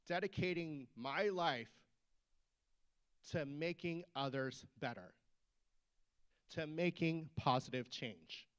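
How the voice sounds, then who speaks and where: Man, physician, slightly high voice, emphatic rally speech, rousing the audience. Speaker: physician speaker. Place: state capitol building.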